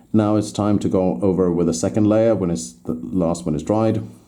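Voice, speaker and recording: Over audible room echo, a man with a Swedish accent speaks at a fairly low pitch with lively intonation and a moderate pace. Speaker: miniature painting youtuber. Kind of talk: tutorial. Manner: halting, many fillers.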